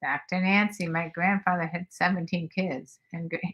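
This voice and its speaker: A woman's voice: lowish voice, fairly even intonation, unhurried, fairly bright tone. An older woman co-hosting a live stream, joking bawdily while she reads viewer comments. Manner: brash, bawdy and joking. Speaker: livestream co-host. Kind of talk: casual livestream chat reading comments.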